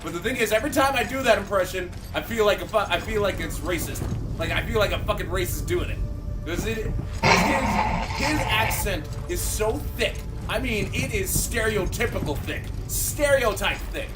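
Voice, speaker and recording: A man hosting a podcast, telling stories in a profane, animated, comedic way. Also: high-pitched, moderate pace, distant mic, music in the background. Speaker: podcast host. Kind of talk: casual comedic chat.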